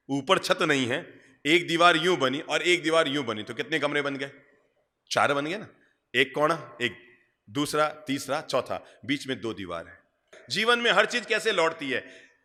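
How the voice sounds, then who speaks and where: Fairly high male preacher voice, lively, going loud then hushed, lots of echo. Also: a little slow. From India. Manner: animated, rhetorical questions to the audience, swings from loud to hushed. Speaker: Jain monk preacher. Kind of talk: sermon.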